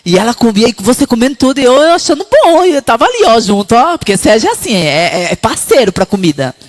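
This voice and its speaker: A woman preaching a sermon, telling her own testimony quietly and then rising to fervent, shouted exhortation. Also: a little high, sing-song, quick pace.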